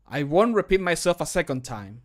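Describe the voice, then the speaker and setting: A stern fantasy game guard, acted by a man, with a slightly high male voice. The delivery is measured and formal, as if admonishing someone. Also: big pitch swings. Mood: stern warning.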